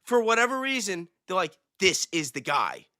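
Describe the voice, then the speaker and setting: A man's voice: high voice, big pitch swings, moderate pace, sharp tone, no echo, studio quality. A man talking casually on a livestream panel, sarcastic and freely profane. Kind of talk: casual animated conspiracy discussion.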